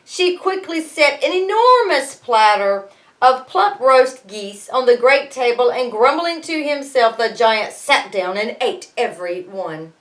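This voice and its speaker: A woman teacher reading a storybook aloud to students in an expressive way, pausing to explain things. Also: a little high.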